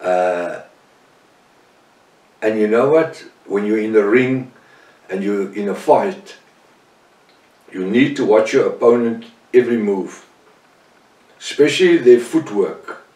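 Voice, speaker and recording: A man's voice: lowish voice, slow, long pauses, darkish tone. A man with a South African Afrikaans accent teaching the Bible, emphatic, often repeating and correcting himself. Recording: roomy sound from a distant mic.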